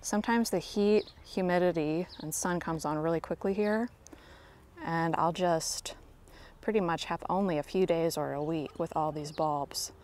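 Her voice is low with a darkish tone and moves at a normal speed. A garden vlogger, she records a casual walk through her home garden outdoors on a handheld phone camera without appearing on screen, chatting in a self-deprecating way and treating viewers as friends.

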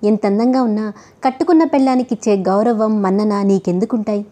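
A woman voicing a kindly, world-weary old male chauffeur who speaks in a gentle, consoling way. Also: medium pitch, fairly quick, natural voice.

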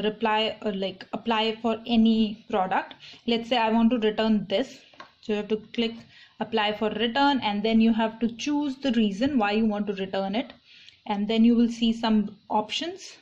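A woman's voice: fairly high pitch, darkish tone. A young woman with an Indian accent talking casually to viewers and explaining things in a vlog. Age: young adult. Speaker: online shopping vlogger. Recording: dull lo-fi phone audio, clear background noise.

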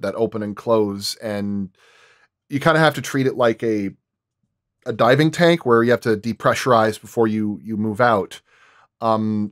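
Man, sound designer, medium pitch, detailed explanations, roundtable talk, dry recording. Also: no room sound. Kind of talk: explaining craft in a roundtable discussion.

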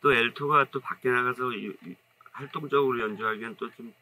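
A man in his fifties with a strong Jecheon regional accent, a saxophonist telling stories in a relaxed, rambling, modest way in an indoor studio. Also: medium pitch, fairly quick, a little hiss or hum. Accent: Jecheon dialect of North Chungcheong. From Jecheon, North Chungcheong, Korea. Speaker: saxophonist guest. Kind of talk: casual interview storytelling. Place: indoor studio with curtain backdrop. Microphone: off-camera mic, seated two-shot.

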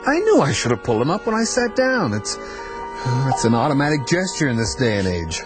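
An actor playing an anxious male fugitive from the future, nervous and quick to anger. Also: mid-range voice, huge pitch swings, over music. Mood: agitated. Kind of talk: 1980s radio drama acting.

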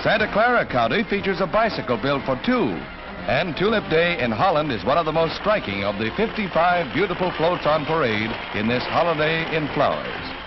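Lively 1940s newsreel parade narrator. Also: male voice, fairly high pitch, normal speed. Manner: bright, showy parade commentary. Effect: old newsreel soundtrack. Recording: dull old newsreel sound with music.

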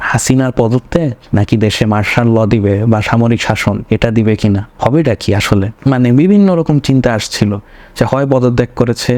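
A young man with a voice slightly hoarse from a cold, talking through his thoughts in a rambling home vlog and often correcting himself. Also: mid-range voice, a little mellow, no echo. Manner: rambling, self-correcting, searching for words. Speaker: vlogger. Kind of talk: casual personal vlog commentary. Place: home room.

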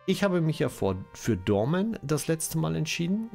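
A man's voice: a little high, very animated, normal speed, creaky, dark tone, faint music behind. A German-speaking man with a cold, giving rambling, self-correcting commentary while playing a strategy game. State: has a cold, coughing. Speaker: let's-play host.

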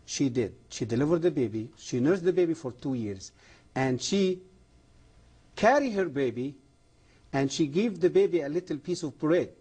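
A middle-aged man, a guest on a TV program, giving a fervent testimony in halting non-native English with frequent restarts. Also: fairly high pitch, mellow, breathy edge. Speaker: guest, former imam.

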